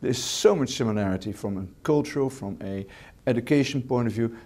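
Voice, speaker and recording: A man with a Dutch accent, a hotel manager answering interview questions in English as a second language, measured, with repeated words and fillers. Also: medium pitch, a little mellow. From Netherlands.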